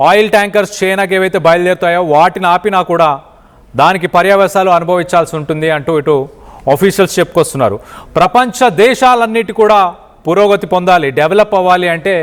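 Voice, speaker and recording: A man's voice: high voice, clear, resonant tone, in a large hall. A man from India presents news analysis emphatically, repeating phrases for stress.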